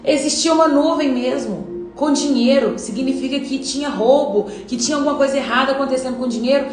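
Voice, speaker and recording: A woman's voice: high-pitched, darkish tone, echoey room, low-quality recording. A woman giving an earnest devotional Bible teaching, acting out quoted voices as she preaches.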